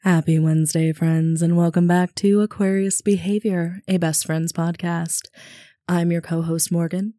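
Husky, congested woman co-hosting a casual podcast. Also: fairly low pitch, fairly even intonation, moderate pace, warm tone, dry recording, clean studio sound. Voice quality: husky, stuffy voice. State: congested from allergies. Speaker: podcast co-host. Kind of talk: casual chat between friends.

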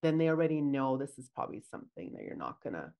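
A woman's voice: very deep voice, sing-song, fast, vocal fry, a little mellow. A woman co-hosting a casual podcast, chatty and acting out bits of client talk. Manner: chatty, acts out client dialogue. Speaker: podcast co-host, esthetician.

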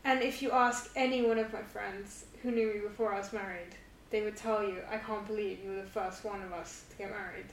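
A woman's voice: medium pitch, fairly even intonation, a little fast, few pauses. Woman guest, distant and echoey. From London. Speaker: podcast guest. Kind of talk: casual interview chat. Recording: echoey, distant from mic, faint noise.

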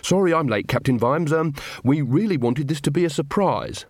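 A polite, earnest young corporal, voiced by a male reader, speaking up a little higher and brighter than the narration. Eager and respectful. Dry, close sound. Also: expressive, moderate pace, no room sound.

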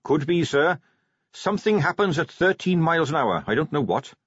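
Guy doing a keen young watch captain, high and bright, all sir this sir that, husky edge, dry dull recording. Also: sing-song, moderate pace, no room sound. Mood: earnest. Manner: eager, respectful, keeps saying sir. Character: earnest polite young male watch captain. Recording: dry, slightly dull lo-fi sound.

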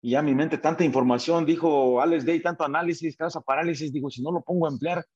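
A man's voice: a little high, quick pace, breathy edge, highs cut off. Mexican man telling his story animatedly. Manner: animated, acts out quoted dialogue, many fillers and restarts. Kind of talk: casual storytelling interview.

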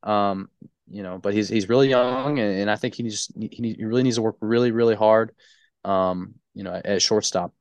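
A congested man co-hosting a sports podcast, talking in a halting way full of restarts and stutters. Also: on the low side, no echo. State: congested, stuffy. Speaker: podcast co-host. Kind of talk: casual sports chat.

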